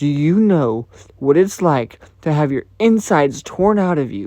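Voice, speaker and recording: Growling in a put-on character voice, the speaker keeps a middle pitch and a moderate pace. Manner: growling, nearly insane, enraged.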